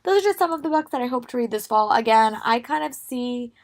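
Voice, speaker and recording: Young woman, hoarse, gravelly fry, strained voice, rambling casual book chat. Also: a little high, animated, a little fast. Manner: rambling with frequent ums. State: losing her voice, hoarse. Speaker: book vlogger. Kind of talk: casual book haul talk.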